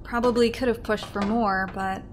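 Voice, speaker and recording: A woman's voice: medium pitch, steady tone, moderate pace, lightly acted. A woman acting in an audio drama as a wry privateer starship captain, with dry banter.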